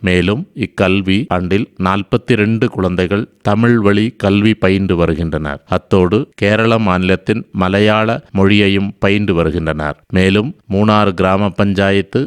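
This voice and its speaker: Smooth, low-voiced man giving a formal address. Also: dry recording, clean studio sound. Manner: measured, formal.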